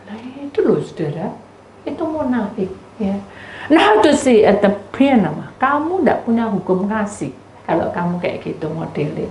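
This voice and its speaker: Woman pastor, East Javanese accent, lively sermon delivery with wide pitch swings, echoey room. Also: moderate pace, slight background noise. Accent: East Javanese Indonesian. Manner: animated storytelling, addresses listeners as "saudara". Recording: roomy echo with faint ambience.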